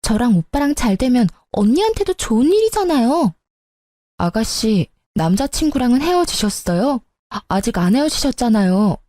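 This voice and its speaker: A woman's voice: a little high, very animated, moderate pace, mellow, no room sound. A woman voicing a petulant young sister-in-law in a story radio drama, whiny and indignant.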